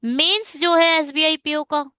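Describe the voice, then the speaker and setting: A woman's voice: sits high, steady tone, measured pace, bright, forceful tone, no room sound, clean studio sound. A woman teaching reasoning for bank exams in a chatty online lesson, mixing Hindi and English and ranting at exam setters.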